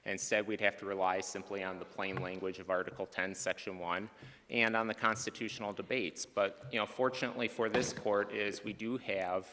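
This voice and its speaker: Courtroom attorney, low-voiced and forceful, measured delivery in a reverberant courtroom. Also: male voice, steady tone. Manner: measured, frequent "you know". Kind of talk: courtroom oral argument. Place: large courtroom.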